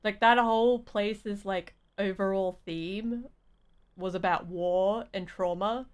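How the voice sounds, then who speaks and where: Woman streamer chatting casually, slow n smooth voice, rambles while thinking out loud. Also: medium pitch, fairly even intonation. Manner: rambling, halting, thinking aloud. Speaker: game streamer. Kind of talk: casual live-stream commentary.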